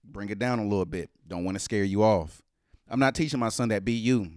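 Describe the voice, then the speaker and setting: A man's voice: fairly low pitch, brisk, no echo, clean studio sound. A middle-aged man with an African American accent chatting casually, speaking emphatically with repetition and swearing. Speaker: panelist in a group discussion. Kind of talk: casual chat.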